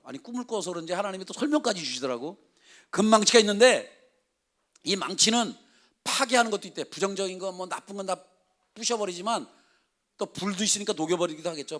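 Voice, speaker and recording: High-voiced, chatty preaching man. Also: a bit bright. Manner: chatty and humorous, laughs often, acts out prayers and declarations. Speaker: guest pastor. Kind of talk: lively storytelling sermon.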